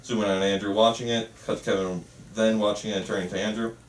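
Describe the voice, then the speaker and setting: A man with a lowish voice reads out stage directions at an amateur table read. He is a little far from the mic in an echoey room. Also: flat delivery, quick pace. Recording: echoey room, distant mic, faint noise.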